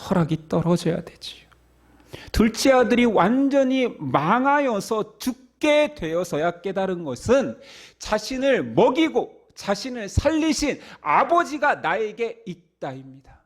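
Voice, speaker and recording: A man's voice: sits high, very animated, unhurried. A male pastor preaching a sermon with rhetorical questions to his congregation.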